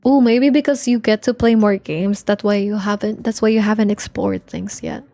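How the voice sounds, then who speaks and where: A woman livestreamer with a soft, quiet voice, chatting informally and playfully with viewers and swearing now and then. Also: very animated, moderate pace, no echo. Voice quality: soft, low-volume voice, unlike their usual loud one. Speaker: live streamer. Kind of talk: casual livestream chat with viewers. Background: faint music.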